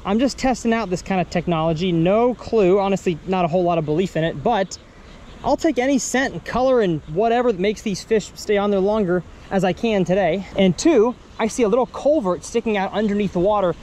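Young guy fishing and chatting away, kinda high voice, outside by a pond. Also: a little fast, a little mellow. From Texas. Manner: upbeat, chatty, thinking aloud while fishing. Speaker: fishing vlogger. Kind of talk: casual fishing vlog commentary. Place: outdoors by a campus pond. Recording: outdoor recording with faint ambient noise.

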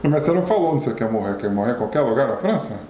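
A man's voice: medium pitch, expressive, rapid-fire, mellow, echoey room, slight background noise. A man in his thirties hosting an interview, asking short prompting questions in a home kitchen. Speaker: interview host. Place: home kitchen set, indoors.

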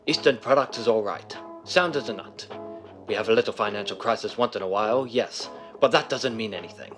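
A man's voice: fairly low pitch, fairly quick, music in the background, lightly acted. A man playing a confident, reassuring businessman husband in a 1930s-style radio drama. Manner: breezy, reassuring.

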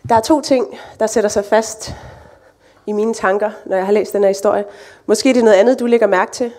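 A woman delivers a sermon in a relaxed, conversational way, slipping in light asides. Her voice sits at a medium pitch and has a warm, mellow tone. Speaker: church speaker. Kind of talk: sermon with scripture reading.

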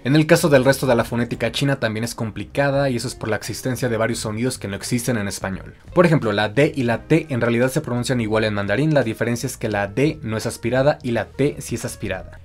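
A man giving a scripted, clear explanatory narration for a language lesson, walking through examples one by one. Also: mid-range voice. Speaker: language teacher. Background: faint music.

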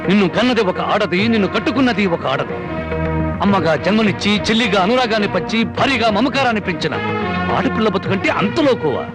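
Fiery hero type, fast and high, swings his voice all over, film music under it. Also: lively intonation. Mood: fierce. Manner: fierce, mocking speeches. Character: fiery defiant male avenger Rambabu. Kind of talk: Telugu film drama acting. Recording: film soundtrack with music behind.

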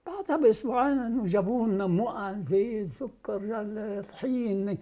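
An elderly Palestinian man in his nineties speaks in a mellow, husky voice. He talks slowly and deliberately and leans hard on key words. He sits in a quiet living room for an interview. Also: sits high. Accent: Palestinian Arabic. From Beisan, Palestine. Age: 90s. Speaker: interviewee recounting displacement. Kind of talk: oral history interview.

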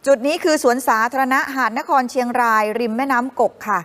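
A woman's voice: high-pitched, brisk. A woman co-hosting a morning news show, chatting upbeat to viewers over travel footage. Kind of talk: casual live TV chat over travel footage.

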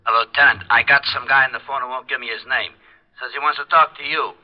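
An actor playing a bumbling, gullible police sergeant in a 1940s radio drama, with a dim, eager manner. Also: male voice, medium pitch, fairly even intonation, fast, lightly acted. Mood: dutiful. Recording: muffled old radio transcription.

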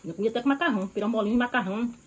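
A woman's voice: on the high side, very fast, breathy edge, rough recording. A woman in her thirties from Bahia with a Bahian accent, chatting casually while eating outdoors on a rural porch, recorded by a camera on the table. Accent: Bahian Brazilian Portuguese. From Bahia, Brazil. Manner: chatty, savoring food between remarks. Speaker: food vlogger.

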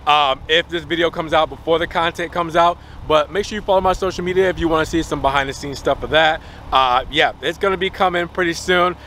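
A young man hosting a casual car review on a dealership lot, chatty and upbeat, talking straight to his viewers. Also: mid-range voice. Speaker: car reviewer, channel host. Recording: faint outdoor noise. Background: light wind and outdoor ambience.

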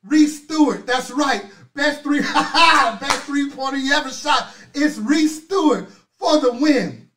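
A middle-aged man with a hoarse voice hosting a motivational livestream, loudly rousing viewers and calling out their names. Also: very high-pitched, lively intonation, slow, noisy background. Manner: loud, rousing, chanting names. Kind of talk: energetic motivational pep talk. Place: indoors at a desk, virtual city background. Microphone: webcam on a video stream. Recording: echoey, distant mic.

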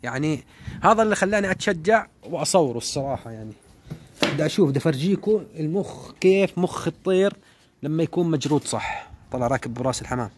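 Fast-talking man with his pigeons. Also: fairly high pitch. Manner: animated, repeats words, calls and hisses at birds. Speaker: pigeon keeper vlogger. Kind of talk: casual running commentary while flying pigeons.

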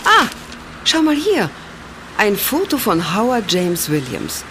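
An actress playing a spirited, publicity-shy woman in an audio drama, speaking in an expressive, questioning way. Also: medium pitch, slow pace, background noise. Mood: annoyed. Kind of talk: German audio drama acting. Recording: music under the voice.

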